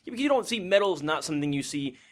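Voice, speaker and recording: Fast-talking, lively man. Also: fairly high pitch. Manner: excitable, joking, swears casually. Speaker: podcast co-host. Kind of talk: casual chat.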